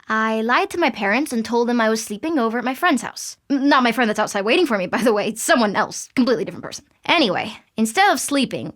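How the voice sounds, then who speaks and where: A woman playing an excitable, cheeky fourteen-year-old Latina girl who rambles dramatically and candidly in a comic audio drama. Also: fairly high pitch. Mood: nervous confessing. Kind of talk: comic audio fiction acting.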